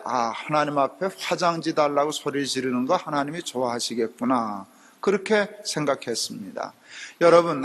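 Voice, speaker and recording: Pastor preaching in an echoing hall. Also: male voice, a bit bright. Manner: conversational storytelling, acts out quotes in a low voice. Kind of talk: sermon. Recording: long reverb of a church hall.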